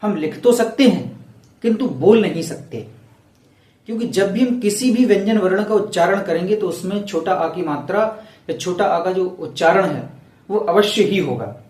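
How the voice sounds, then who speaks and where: A man teaching a Hindi grammar lesson to students. He repeats the key points slowly so they stick. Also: high-pitched, lively intonation, darkish tone, echoey room, far from the mic.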